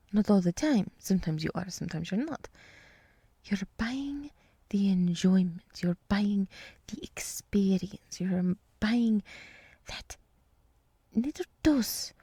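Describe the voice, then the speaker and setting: A soft, slow-speaking deer woman, played by a woman in an ASMR roleplay. She half-whispers with a breathy, husky edge, close and dry. She is nurturing and encouraging, leaving soothing pauses between phrases. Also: mid-range voice, dry recording. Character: gentle, nurturing deer woman, encouraging forest monster girl.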